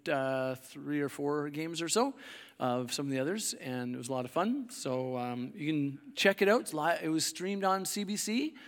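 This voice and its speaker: A middle-aged man from Canada, a pastor with a hoarse voice, preaching a sermon in a casual, rambling way with many fillers and restarts. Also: on the high side, normal speed. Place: church hall. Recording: long hall reverb.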